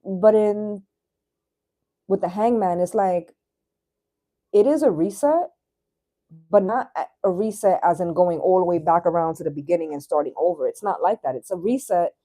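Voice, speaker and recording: A woman in her thirties reads tarot and chats live on a stream, loose and slangy with occasional swearing. Her warm, lowish voice moves at an ordinary speed, broken by long pauses.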